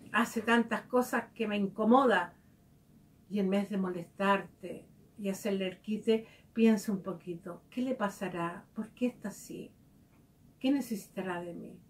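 A woman giving a devotional reflection, speaking conversationally and asking her listeners direct questions. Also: mid-range voice. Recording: voice heard from a distance.

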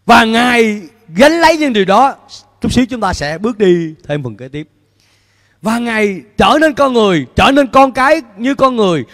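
A middle-aged man preaching a sermon as pastor on a church stage with a handheld mic, animated and putting questions to the congregation. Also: extremely high pitch. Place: church stage before a large screen, indoors. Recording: long hall reverb in a large church.

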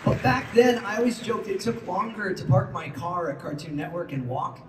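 A man's voice: high voice, fairly even intonation, normal speed. Man telling stories on stage in a huge echoey hall. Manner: playful, slips into character voices. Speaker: voice actor panelist. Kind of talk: anecdotes on a stage panel. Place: large convention hall. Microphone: handheld mic, filmed from the audience over the PA. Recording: echoey hall from far off with noise.

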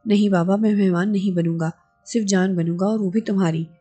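A woman voicing a young husband, calm and reassuring, with gentle, steady dialogue reading. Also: medium pitch, fairly quick, slightly rough, soft background music, natural voice.

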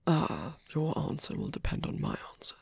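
Guy playing soft villain confessing love, super husky breathy and creaky, halting, close asmr mic. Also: a little high, huge pitch swings, no room sound, exaggerated voice. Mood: earnest, nervous. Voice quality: breathy, often dropping to a whisper. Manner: halting, hesitant delivery with pauses. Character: guarded, lovestruck male villain, hesitant and tender. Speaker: ASMR roleplay voice actor. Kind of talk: ASMR romantic roleplay, intimate and halting. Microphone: close dry microphone.

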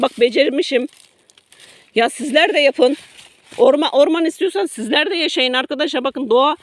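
Speaking to her followers from her garden by a road near the woods, this middle-aged woman has a fairly high-pitched voice, recorded at studio quality with no room sound. Her emotional talk moves from indignation to apology, with plenty of repetition.

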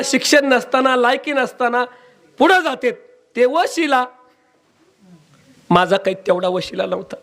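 High-pitched male preacher, dramatic storytelling sermon, sing-song emphasis.

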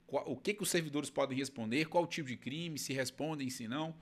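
A man's voice: mid-range voice, a little fast. A man hosting a casual legal commentary video, chatting directly to his viewers.

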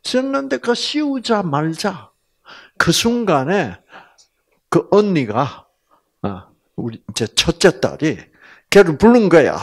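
A man's voice: high-pitched, slow pace. An older man giving a Bible lecture like a sermon. He tells stories with energy, acts out the quoted lines himself and asks his listeners questions. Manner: animated storyteller acting out quotes and asking the audience questions.

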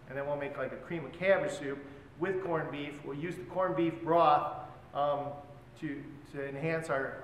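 A man in his forties teaches a cooking class, talking casually as he cracks eggs and mixes dough. His voice sits a little high and reaches the camera from across a large, reverberant hall. Steady background noise runs under the recording. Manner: relaxed, explains while working with his hands. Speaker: chef instructor. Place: large hotel function room, indoors. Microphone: far camera. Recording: echoey hall, voice from far off, loud background noise.

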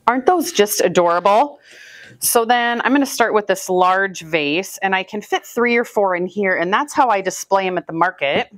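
Handling flowers in an indoor room lined with buckets, a chatty, upbeat Northwest Iowa woman narrates her arranging as a casual how-to. She's a flower farmer and channel host, speaking in a slightly bright mid-range voice with lively intonation and a moderate pace, recorded hands-free by a far camera with no room sound.

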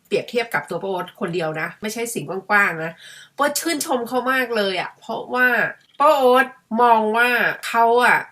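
A middle-aged woman from Thailand talks to her viewers in a loose, chatty vlog style. Her voice is bright and clear, sitting at an ordinary middle pitch, and she muses aloud as she goes. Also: lively intonation, fast. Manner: chatty, musing, refers to herself by her own nickname. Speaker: vlogger. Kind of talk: casual chat to camera.

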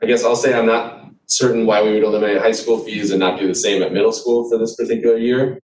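A man chairs a board meeting over a video call, measured and formal as he moves through procedure. His voice is fairly low. It comes through roomy and distant. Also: flat delivery, darkish tone.

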